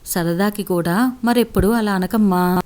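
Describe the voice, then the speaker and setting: A loving middle-aged mother with a gently teasing way of talking, as a woman reading the story puts her on. The voice stays close to the reader's own. It is a storybook reading. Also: medium pitch, measured pace, close to an everyday voice.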